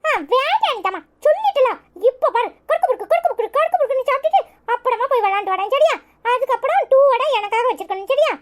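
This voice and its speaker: A chirpy little village girl from a cartoon chatters in a sing-song Tirunelveli Tamil accent, as a woman puts her on. Her voice sits extremely high and jumps all over the place. She sounds playful and eager. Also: expressive, fast, few pauses. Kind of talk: cartoon voice acting.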